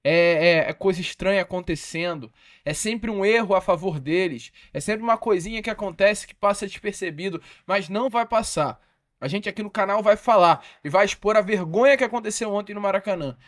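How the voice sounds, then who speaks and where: A man's voice: sits high, a little fast. A man from Brazil hosting a football channel, giving indignant, emphatic commentary. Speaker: sports channel host.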